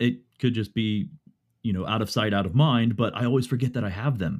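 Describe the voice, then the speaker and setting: In an American accent, a man with medium pitch speaks at a fairly quick pace with ordinary pitch variation, a plain, everyday voice. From West Virginia, Morgantown. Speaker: podcaster. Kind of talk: casual chat.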